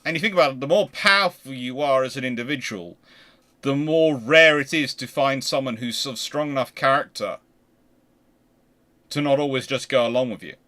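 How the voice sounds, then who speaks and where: A man's voice: medium pitch, moderate pace, bright, forceful tone. A man hosting a casual history panel discussion in a conversational way.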